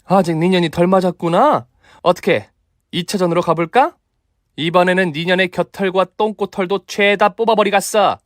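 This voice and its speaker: A feisty older mother in a comic radio drama, acted out by a man, pitched well up in a dry close sound. She is bossy and vengeful, throwing out bombastic martial-arts threats like the tough owner of a chicken restaurant. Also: lively intonation, moderate pace, fairly bright tone, no room sound. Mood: bossy, threatening.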